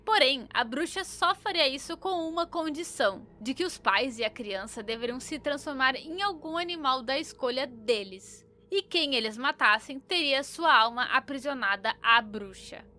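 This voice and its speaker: A woman's voice: sits high, lively intonation, moderate pace, few pauses, pushed and bright. A young woman with a Brazilian accent recapping a story in casual commentary, with informal, opinionated asides. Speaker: YouTube commentator.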